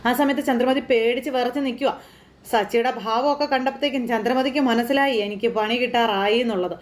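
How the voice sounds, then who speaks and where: A woman's voice: fairly high pitch, fairly even intonation, a little fast. A woman casually retelling a TV serial episode, chatty, with frequent tag words and repetition. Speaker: TV serial recap narrator. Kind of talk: casual storytelling recap.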